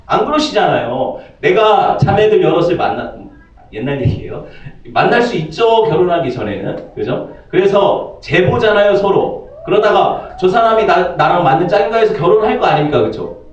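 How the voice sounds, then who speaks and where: A man in his forties, a pastor preaching a sermon, firing rhetorical questions at his congregation and acting out quoted voices in lowered tones. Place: church sanctuary. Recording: very echoey, distant, muffled church recording.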